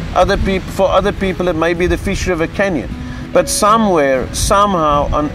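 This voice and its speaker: A man with a high voice and ordinary pitch variation speaks at a fairly quick pace, the sound dry with no echo but with noticeable background noise. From Cape Town, South Africa. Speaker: overland tour guide. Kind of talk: interview answer. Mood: warm, enthusiastic. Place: beach.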